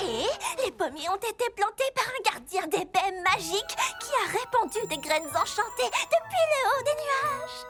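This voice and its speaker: Very high, spirited cartoon girl. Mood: enthusiastic explaining. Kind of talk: French cartoon dub.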